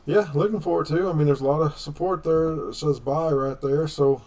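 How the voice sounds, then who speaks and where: A man's voice: a little high, fairly quick, darkish tone, far from the mic. A man hosting a trading livestream, chatting casually and encouraging his guests with frequent laughs. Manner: easygoing, laughs often, encouraging. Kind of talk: casual live-stream chat.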